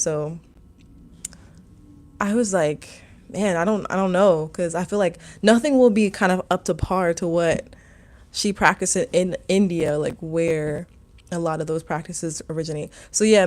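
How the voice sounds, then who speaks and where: A young Maryland woman, from the USA, leads a laid-back livestream as a meditation teacher, rambling her way through comments from viewers with many "um"s and "like"s. Her voice is on the low side, with a darkish tone.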